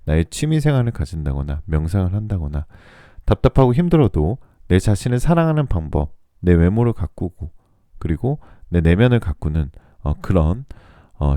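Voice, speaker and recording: A man reading tarot for listeners in a soothing, polite, measured radio-like style, his voice still recovering from a throat cold. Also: low-pitched, warm tone, dry recording, clean studio sound. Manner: soothing, polite, measured delivery meant to lull listeners to sleep. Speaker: tarot reader and channel host.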